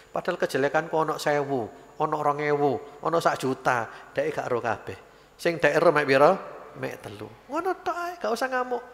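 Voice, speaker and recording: Gravelly East Javanese preacher in mosque reverb. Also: male voice, fairly high pitch, a bit bright. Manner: storytelling, acts out quoted voices, mixes Javanese into Indonesian. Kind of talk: sermon. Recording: live broadcast with long reverb in a mosque.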